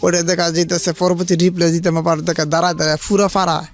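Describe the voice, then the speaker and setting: Guy with a gravelly voice telling his story, halting, music faintly behind. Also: a little high, flat delivery. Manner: hesitant, restarts, plain colloquial speech.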